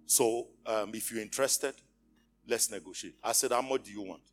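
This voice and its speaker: A man's voice: lowish voice, moderate pace, faint music behind. A middle-aged Nigerian man preaching a storytelling sermon, acting out dialogue and calling on the congregation to respond. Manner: animated, acts out dialogue, calls on the congregation. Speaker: pastor.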